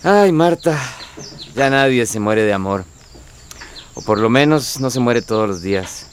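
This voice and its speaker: An actor playing a good-humored, hospitable friend who jokes around, in a radio drama. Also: male voice, mid-range voice, animated, measured pace, a little hiss or hum, natural voice. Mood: jovial. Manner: joking, hospitable. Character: good-humored adult male friend and host.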